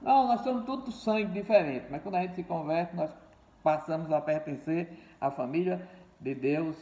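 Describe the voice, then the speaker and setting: A man's voice: a little high, creaky, dark tone. An older man preaching a sermon, repeating key words and calling his listeners dear ones and brothers. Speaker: pastor. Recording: echoey room, dull lo-fi sound.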